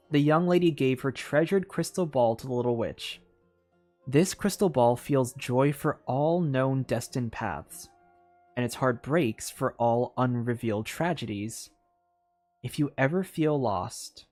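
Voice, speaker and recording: A game streamer with an expressive delivery, reading a story aloud in storybook style and slipping into casual asides. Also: medium pitch, a little slow. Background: music.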